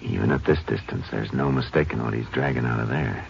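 An actor playing a steady, shrewd Texas Ranger in a 1950s radio western, speaking in measured, folksy phrases. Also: male voice, a bass voice, gravelly, full character voice. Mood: hushed, watchful. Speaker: radio drama lead actor and narrator. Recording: muffled, noisy old radio recording.

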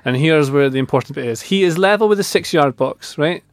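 A man talking football as a pundit and former striker, animated and playful as he breaks down a goal. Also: on the high side, brisk, no room sound, studio quality. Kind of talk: football podcast chat.

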